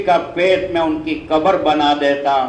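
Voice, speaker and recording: A man keeps his intonation fairly even while noticeable background noise sounds behind him. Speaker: Islamic scholar leading a supplication gathering. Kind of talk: Urdu supplication, heartfelt dua. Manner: pleading, emotional, rhythmic.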